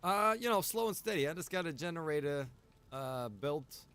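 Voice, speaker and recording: A man chatting casually in game roleplay, repeating himself and pausing as he talks. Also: on the high side, animated, fairly bright tone, clean tone. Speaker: roleplay game streamer and server developer.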